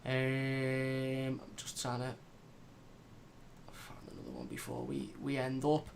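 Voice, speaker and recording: A man hosting a fan channel, chatting casually and reading out live comments, blunt and animated. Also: mid-range voice, takes it slowly, gravelly, a little hiss or hum. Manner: animated, blunt, swears lightly.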